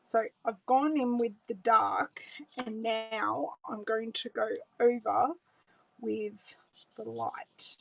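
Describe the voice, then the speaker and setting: A woman's voice: a little high, slow pace, vocal fry, poor audio. Chatty Australian woman crafting live. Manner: chatty, relaxed, thinks aloud while working. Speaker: card-making demonstrator. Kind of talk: live craft tutorial with viewer greetings. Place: home craft room, indoors. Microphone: overhead camera setup, hands on desk.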